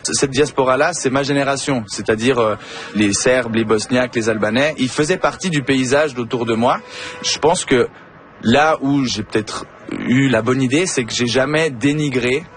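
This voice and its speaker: A comedian from Switzerland speaking in an interview, earnestly thinking aloud with some hesitations. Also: male voice, medium pitch, moderate pace. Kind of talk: reflective interview talk.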